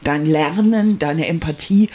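A woman's voice: low-pitched, measured pace, a little mellow. A woman co-hosting a podcast, explaining ideas in a reflective way with many fillers and restarts. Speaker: podcast co-host. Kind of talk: casual conversational chat.

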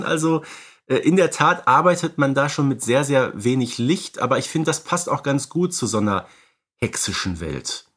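Conversational man co-hosting a podcast. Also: fairly high pitch. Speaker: podcast co-host. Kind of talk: casual film analysis and plot recap.

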